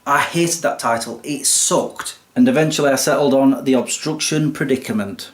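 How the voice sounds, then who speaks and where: Here a young male YouTube creator speaks at a normal speed in a mid-range voice. He offers a laid-back behind-the-scenes look at filming and editing his videos, step by step, never taking himself too seriously, and the sound echoes as if in a large room.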